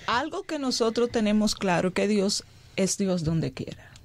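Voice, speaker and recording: A woman speaking as a missionary guest on a Christian talk show, earnest and measured, laughing often. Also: medium pitch, expressive.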